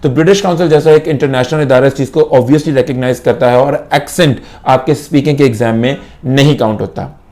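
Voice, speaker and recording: A man's voice: medium pitch, a little fast, a little mellow. A young Pakistani man, an IELTS instructor, gives a lesson to camera in Urdu mixed with English and repeats key points for emphasis.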